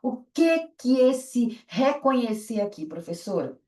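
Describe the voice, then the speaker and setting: A Brazilian woman instructor teaches an online lesson in a didactic tone, often posing questions and answering them herself. Her voice sits slightly high. It sounds distant from the microphone, with noticeable room echo. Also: very animated, slow, darkish tone. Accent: Brazilian Portuguese.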